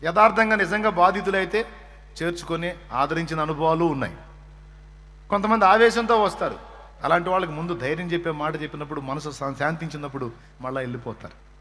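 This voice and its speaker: High-voiced man preaching in a reverberant hall. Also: quick pace, pushed and bright. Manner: emphatic, repeats phrases, voices comforting parent. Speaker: pastor. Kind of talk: sermon. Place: church.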